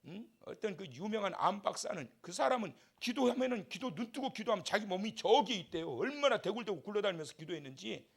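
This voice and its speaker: Male pastor at a revival service, lively animated pitch, shouts then drops to soft asides, leads the congregation in call-and-response. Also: fast, creaky, hardly any pauses, slightly rough. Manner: impassioned, shifts between shouting and soft asides. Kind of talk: revival sermon. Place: church sanctuary.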